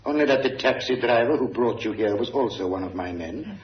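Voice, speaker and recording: A man's voice: medium pitch, animated, a little fast, a little hiss or hum, natural voice. A man playing a smug suave crime boss. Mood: smug menace. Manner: silky, smug, over-polite villain. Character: suave scheming male crime boss, mocking. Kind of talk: 1940s radio drama acting. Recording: dull roomy old radio recording.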